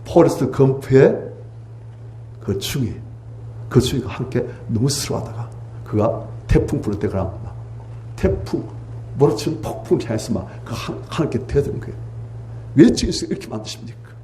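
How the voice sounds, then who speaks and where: Impassioned Korean pastor with a dark voice. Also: male voice, medium pitch, animated, normal speed, a little hiss or hum. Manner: impassioned, swings from loud pleading cries to hushed near-whispers. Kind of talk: revival sermon. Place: church sanctuary.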